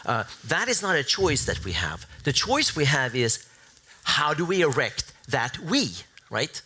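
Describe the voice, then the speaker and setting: A man speaking as a panelist in a public debate, deliberate and professorial, often tagging his points with "right?". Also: on the high side, sing-song, pushed and bright, husky.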